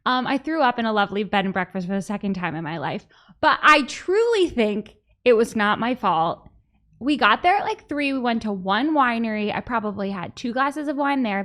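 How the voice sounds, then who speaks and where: A woman hosts a podcast in bubbly, chatty fashion, rattling off anecdotes in quick bursts. Her voice sits a little high, and her talk is casual and loose. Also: animated, fairly bright tone. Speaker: host.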